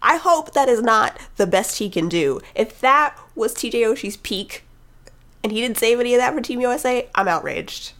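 A woman's voice: on the high side, expressive, normal speed, a bit bright. A woman co-hosting a casual hockey chat, wry and chatty, often laughing.

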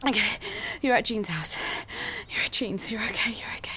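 An actress playing a sleepy young woman talking softly and drowsily. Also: mid-range voice, normal speed, a little hiss or hum, natural voice. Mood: drowsy. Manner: soft, drowsy, murmuring. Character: sleepy young woman waking in her lover's bed.

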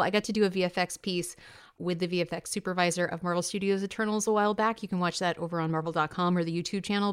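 A woman's voice: mid-range voice, clear, resonant tone. A woman co-hosting a podcast in casual chat, bubbly and playful. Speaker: podcast co-host.

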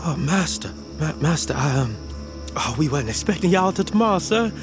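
A man's voice: fairly high pitch, lively intonation, normal speed, music in the background, natural voice. An actor playing an enslaved teenage boy who stammers and speaks deferentially to his master. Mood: nervous. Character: young enslaved teen boy, nervous then easygoing. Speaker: young Alphonse. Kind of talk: audio drama acting.

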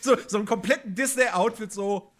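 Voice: mid-range voice, brisk, fairly bright tone. A podcast co-host in casual chat, hesitant and often restarting questions.

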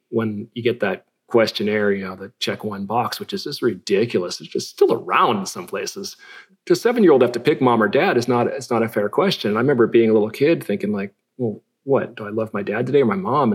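Brief: husky, lowish middle-aged California man, reflective interview guest, faint music underneath. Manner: reflective, self-deprecating, many restarts and fillers. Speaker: guest artist and filmmaker. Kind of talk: relaxed conversational interview.

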